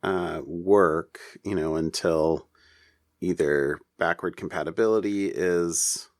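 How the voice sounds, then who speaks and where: Male podcast co-host, low register, halting conversational delivery on tech news, dry acoustic. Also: no room sound. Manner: halting, thinking aloud. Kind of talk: casual tech news discussion.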